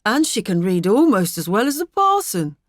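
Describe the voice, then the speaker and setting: Woman reader doing a countryman father, blunt, forceful emphasis, opinionated, dry audiobook sound. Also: mid-range voice, very animated, moderate pace, no echo, close to an everyday voice. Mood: dismissive, proud.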